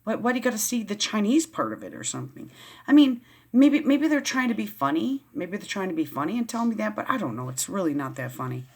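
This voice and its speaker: A woman's voice: medium pitch, sing-song, fast, darkish tone, husky. Woman vlogger, casual read-aloud with riled, rambling asides. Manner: rambling, easily riled, many restarts. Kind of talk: casual reading and commentary.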